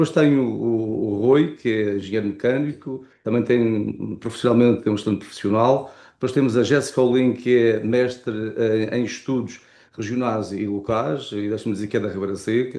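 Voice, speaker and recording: With a dark, mellow tone at medium pitch, a man speaks at a moderate pace, keeping his intonation fairly even and hardly pausing. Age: 60s. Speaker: local election candidate. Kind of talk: televised political debate. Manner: halting, with many fillers and repetitions.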